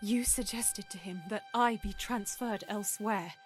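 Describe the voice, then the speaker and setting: A young woman voicing a defensive, bitter young woman in a video game, with a sharp, guarded delivery. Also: medium pitch, fairly even intonation, measured pace, faint music behind, natural voice. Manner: sharp, guarded, flares into shouting. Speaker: game character.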